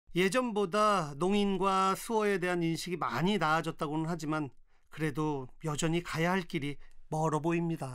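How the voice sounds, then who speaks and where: Recorded very cleanly against a silent background, a man talks at a moderate pace with a high pitch and ordinary pitch variation. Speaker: radio documentary narrator. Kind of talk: documentary narration.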